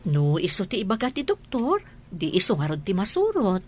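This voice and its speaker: A woman playing a gentle, reassuring mother in a family drama. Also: mid-range voice, wildly swooping pitch, moderate pace. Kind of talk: Ilocano family drama acting.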